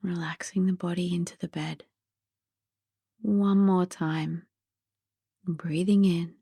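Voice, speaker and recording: Female meditation guide: slightly low, mellow voice, gentle and soothing, soft breathy delivery for sleep. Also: steady tone, slow, no echo, studio quality.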